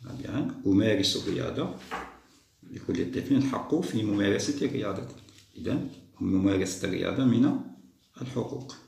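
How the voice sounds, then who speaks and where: A man patiently walking young schoolchildren through a test, repeating each answer slowly. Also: on the low side, expressive, vocal fry, darkish tone, reverberant, slight background noise. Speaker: teacher solving a school test. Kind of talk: step-by-step lesson for young children.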